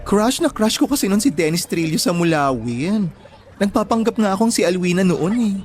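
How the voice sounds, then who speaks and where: A man's voice: high voice, lively intonation, moderate pace. A young gay Filipino man in an audio drama. He is campy and sassy, telling things theatrically in casual slang over a music bed. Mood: dramatic, sassy. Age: young adult.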